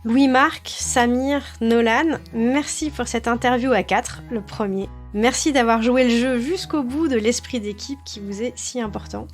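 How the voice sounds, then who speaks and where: A fairly high-voiced woman hosts a relaxed interview podcast, talking in a chatty way full of little fillers. She speaks straight to her listeners. Faint music sits under her voice. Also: unhurried, few pauses. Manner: chatty, many fillers, addresses listener directly. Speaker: podcast host.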